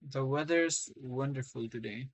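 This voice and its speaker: A man's voice: medium pitch, unhurried, no echo. A man live-streaming a game, reading dialogue aloud and reacting casually.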